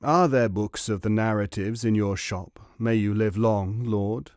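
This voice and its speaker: A man's voice: on the low side, unhurried, darkish tone, dry recording, clean studio sound, natural voice. A man voicing a proud young male Arab prince who speaks formally and insistently.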